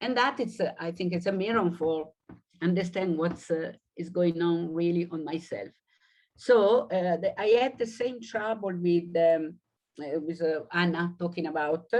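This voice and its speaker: Using an Italian accent, a woman with a fairly low pitch talks at a moderate pace with ordinary pitch variation. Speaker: participant in group discussion. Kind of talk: casual group discussion. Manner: halting.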